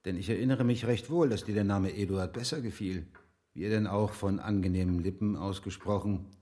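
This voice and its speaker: Husky, composed captain. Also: male voice, lowish voice, fairly quick, mellow, dry recording. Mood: gently teasing. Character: sensible, practical army captain, courteous houseguest. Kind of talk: German radio play, literary dialogue.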